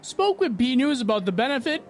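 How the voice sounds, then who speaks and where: A man's voice: very high-pitched, big pitch swings, a little fast, background noise. A man working as a local TV field reporter, giving an upbeat report from an event. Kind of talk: on-location news report.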